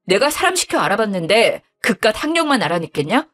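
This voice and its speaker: A woman voicing an angry young husband who scolds his lying wife in a lower, bitter voice in a dramatized story. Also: sing-song, fast talker, fairly bright tone. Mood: bitter scolding. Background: faint background music.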